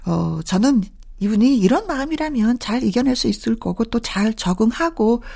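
A woman's voice: a little high, lively intonation, moderate pace, vocal fry, dark tone. A woman hosting a radio show, chatting casually and laughing often. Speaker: radio host.

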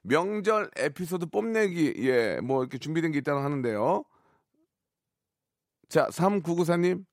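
A man hosting a live call-in radio segment, teasing callers with quick banter. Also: a little high, expressive. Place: radio studio.

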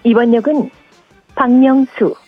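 A woman imitating a female station announcer over a PA system, with slow, sing-song announcement phrasing, played as a clip. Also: on the high side, fairly even intonation, husky, soft background music. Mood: announcing. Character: female train-station PA announcer, calm and measured. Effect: sounds like a station PA announcement. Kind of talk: voice-impression clip played on a radio show. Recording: tinny phone-like line.

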